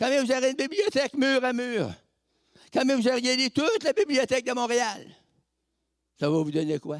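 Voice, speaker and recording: With very wide pitch swings, a man speaks at a moderate pace in a dry, close sound with no echo. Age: 80s+. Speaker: evangelist preacher. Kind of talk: sermon to a church congregation. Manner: folksy, humorous.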